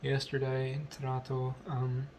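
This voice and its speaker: A native English-speaking man practices speaking in a language-learning vlog, talking unscripted and haltingly at a very slow, steady pace. His pitch stays flat, and he pads gaps with "um" and frequently corrects himself, while a faint hiss sits in the background.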